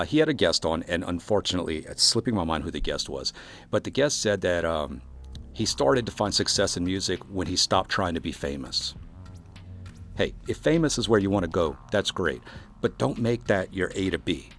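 A man's voice: deep voice, a bit bright. A man hosting his own solo podcast, talking earnestly and encouragingly about defining success as an artist. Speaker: podcast host and composer. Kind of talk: solo motivational podcast monologue.

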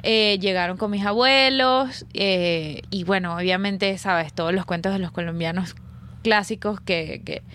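Relaxed Venezuelan woman guesting on a podcast. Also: medium pitch, a little slow. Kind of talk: casual podcast chat.

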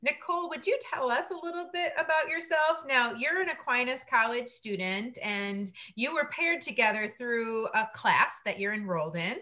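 A woman's voice: a little high, animated, moderate pace, few pauses, pushed and bright. A woman hosting an interview, asking questions in a friendly, encouraging, polite way. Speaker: interview host. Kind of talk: conducting an interview.

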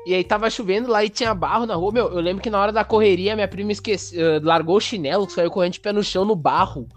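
A man, hosting a podcast and telling a story in a lively, slangy way. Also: sits high, quick pace, faint music behind. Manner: animated, slangy, acts out sounds and voices. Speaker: podcast host. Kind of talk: casual storytelling.

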